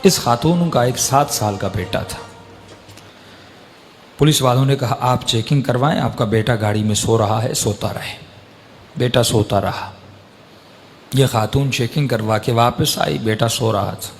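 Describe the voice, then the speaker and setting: A man's voice: mid-range voice, pauses often, faint music behind. A man preaching an emotional sermon, telling a story with rising impassioned peaks. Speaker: religious preacher. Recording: long hall reverb.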